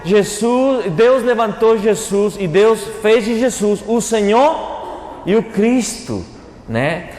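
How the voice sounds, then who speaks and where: High-voiced pastor preaching in an echoey hall. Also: male voice, expressive, slow, a little mellow, soft background music. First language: Spanish. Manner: didactic, repeats phrases and asks the listeners questions. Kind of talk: Bible teaching sermon with call-and-response questions. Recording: echoey hall with long reverb, faint noise.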